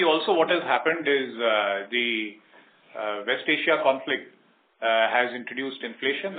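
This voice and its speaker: A man with an Indian accent, a company executive giving measured, explanatory answers on an earnings call. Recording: roomy, muffled low-bandwidth conference line.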